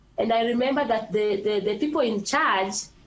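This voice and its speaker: A woman speaks with a fairly high pitch. Audible room echo surrounds her voice. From Kenya. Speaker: migrant telling her life story. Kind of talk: interview testimony.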